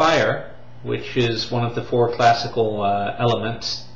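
Audible room echo surrounds a man's voice. He speaks at a medium pitch and a very slow pace. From Texas and Ohio. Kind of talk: casual talk to camera. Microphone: webcam.

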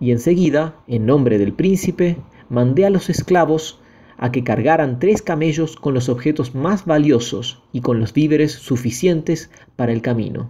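At a fairly slow pace, a man with a fairly high pitch speaks in a dark, mellow, dramatic tone that is somewhat breathy, with ordinary pitch variation. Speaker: audiobook narrator. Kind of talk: audiobook reading aloud, dramatic narration. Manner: dramatic, urgent, with tension and emotion; first-person storyteller voicing characters' dialogue.

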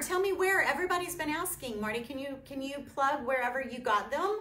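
A woman with an American accent uses a raised, projected voice. She speaks at a moderate pace with very wide pitch swings. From US South. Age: 50s. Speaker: furniture painting artist. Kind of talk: live painting tutorial. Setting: live stream from her shop. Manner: casual, chatty. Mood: cheerful, chatty. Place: workshop. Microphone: camera far.

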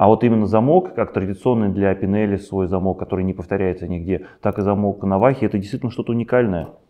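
Here is a man with a normal speaking voice. His pitch varies in an ordinary way. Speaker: knife channel host. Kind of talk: casual interview chat. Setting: studio.

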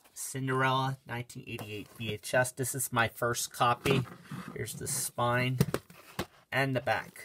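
Moderate pace over loud background noise. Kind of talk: casual show-and-tell narration. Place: home room. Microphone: phone near.

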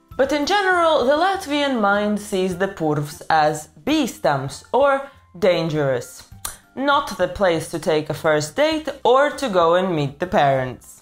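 Faint music sits behind the voice. A woman talks at a very slow pace. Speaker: language educator. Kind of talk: educational vlog talk. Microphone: lapel.

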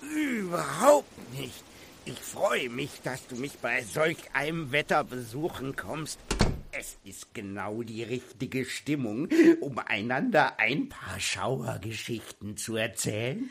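A woman's put-on character voice, very deep and low in pitch, fairly slow, with sound effects in the background

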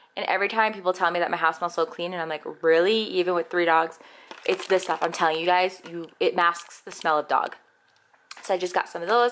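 A woman's ordinary speaking voice, fairly low in pitch and fairly quick, with fairly even intonation over light background noise. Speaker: lifestyle vlogger, mother of two; vlogger. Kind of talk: casual vlog, product haul. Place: kitchen. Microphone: phone near.

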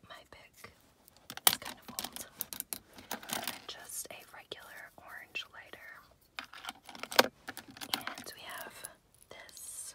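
A woman whispers her words at a very slow pace. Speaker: ASMR creator. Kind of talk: ASMR car tour. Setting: inside a car. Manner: whispered. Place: car. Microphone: studio mic.

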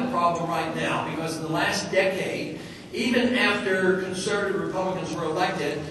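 Against light background noise and strong room echo, a man with a high pitch talks at a moderate pace, his pitch varying in an ordinary way. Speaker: candidate. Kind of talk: campaign speech. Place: hall.

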